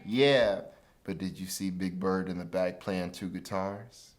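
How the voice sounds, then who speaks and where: A man's voice: deep voice, fairly even intonation, unhurried, very noisy. A man giving a casual, joking youth sermon in a conversational, slangy way. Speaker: youth pastor.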